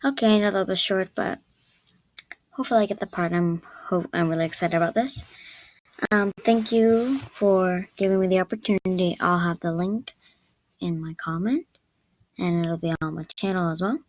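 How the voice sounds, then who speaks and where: A woman's voice: lowish voice, normal speed. A woman speaking casually as an amateur voice actor introducing an audition.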